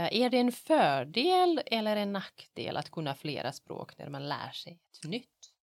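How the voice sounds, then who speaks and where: A woman's fairly slow speech with very wide pitch swings. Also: big swings in loudness. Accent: non-native. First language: not Swedish (speaking Swedish). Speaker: language teacher and podcast host. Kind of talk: casual interview.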